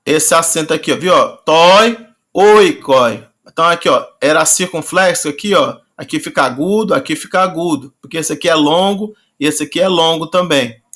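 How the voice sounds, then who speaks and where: A male teacher gives an online class, patiently repeating and slowly drawing out words. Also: fairly high pitch, a bit bright.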